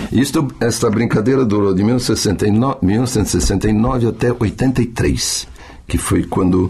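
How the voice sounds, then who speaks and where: Over noticeable background noise, a man with a fairly low pitch speaks at a very slow pace with lively intonation and very even loudness. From São Paulo, Brazil. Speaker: radio announcer and voice actor. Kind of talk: interview.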